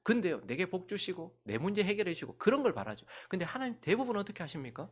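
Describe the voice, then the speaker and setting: Animated male pastor preaching. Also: sits high, fast, slight background noise. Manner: animated, swinging between loud outbursts and hushed whispers. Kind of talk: sermon.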